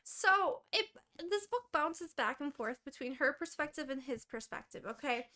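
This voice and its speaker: A woman co-hosting a podcast, recapping a book in casual, animated chat full of swearing. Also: sits high, moderate pace. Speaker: podcast co-host.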